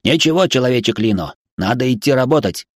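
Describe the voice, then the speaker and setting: A man doing a sarcastic little servant robot, pitched up above his natural voice. It nags in clipped, broken grammar and sounds snarky toward its owners. The recording is close and dry, with no room sound. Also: animated, quick pace, no room sound, lightly acted. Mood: insistent. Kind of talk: audiobook character voice.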